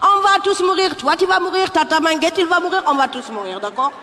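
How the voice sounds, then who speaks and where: Woman putting on a bossy senegalese auntie, senegalese french accent, high and blunt, scolding, echoey hall. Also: lively intonation, brisk, fairly bright tone. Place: live comedy stage. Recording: echoey hall, faint crowd noise.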